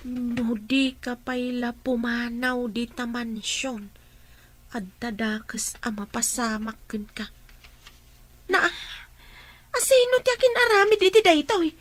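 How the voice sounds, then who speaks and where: A woman playing an excitable, nosy older household woman in an Ilocano radio drama, speaking in exclamations. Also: fairly high pitch, takes it slowly, a little hiss or hum. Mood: alarmed, insistent.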